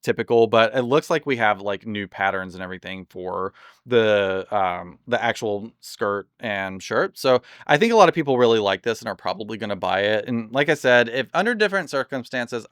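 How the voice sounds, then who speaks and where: A man chatting casually and enthusiastically in a product review, rambling with lots of fillers, his voice slightly hoarse from overuse. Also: fairly low pitch, moderate pace, fairly bright tone, dry recording, studio quality. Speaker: doll collector reviewing products.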